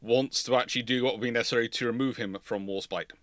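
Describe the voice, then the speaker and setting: A man hosting a live question-and-answer chat, halting and repeating words as he reads and answers. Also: medium pitch, fairly even intonation, dry recording. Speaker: host answering viewer questions. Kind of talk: live Q&A chat on naval history.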